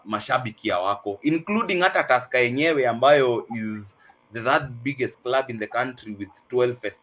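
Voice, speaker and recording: Halting Kenyan male football pundit. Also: mid-range voice, a bit bright, low-quality recording. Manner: hesitant, halting, repeats words. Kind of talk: casual unscripted analysis, mixing English and Swahili.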